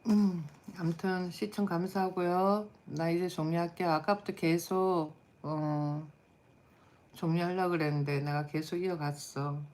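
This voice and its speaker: Blunt low-voiced woman streamer chatting. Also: fairly even intonation, a little slow, a little mellow. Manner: blunt, chatty, answers chat comments aloud. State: tired. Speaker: live stream host. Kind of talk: casual live chat with viewers.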